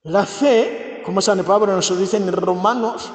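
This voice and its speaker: A man's voice: sits high, a little slow. A priest, a man who is not a native speaker, preaching a homily at a healing mass with fervent, repeated invocations that rise into exclamations. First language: not Spanish. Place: church. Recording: echoey church with long reverb.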